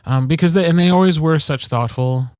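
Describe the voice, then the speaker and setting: A man chatting casually and reflectively as a podcast co-host, in a halting, conversational way. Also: fairly high pitch, darkish tone, no room sound, clean studio sound. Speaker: podcast co-host and audiobook narrator.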